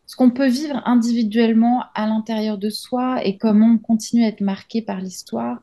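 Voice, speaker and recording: In her thirties, this French-speaking journalist and author gives a reflective interview, thinking aloud with lots of hesitations and restarts. Her voice is fairly high and mellow, with fairly even intonation and a moderate pace.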